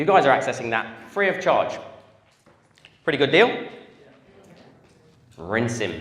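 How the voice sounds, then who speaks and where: With noticeable background noise and audible room echo, a man speaks at a fairly slow pace with lively intonation. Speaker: sales trainer and company CEO. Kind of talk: seminar stage address. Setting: stage with audience. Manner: energetic.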